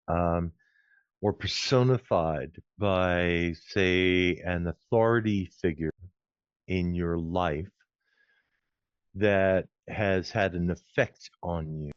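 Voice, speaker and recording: Deep-voiced guy on a podcast, talks real slow and careful, dull audio. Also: clean tone, no echo. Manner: slow, deliberate, explanatory. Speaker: podcast guest, former recording engineer. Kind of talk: measured explanation. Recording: dry muffled podcast audio.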